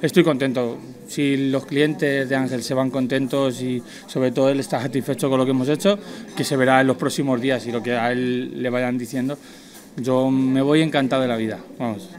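Halting man chef in a restaurant. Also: mid-range voice, steady tone, darkish tone. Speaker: guest chef. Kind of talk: casual interview. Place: restaurant dining room, indoors. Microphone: handheld interviewer mic.

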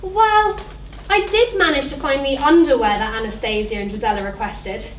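Woman as cheery, innocent young pantomime heroine: sugary, high-pitched, distant theatre recording. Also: steady tone, moderate pace, slight background noise, close to an everyday voice. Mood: sweet, cheery. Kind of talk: live amateur pantomime stage acting. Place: indoor theatre stage. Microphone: distant camera. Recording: echoey theatre stage from far off.

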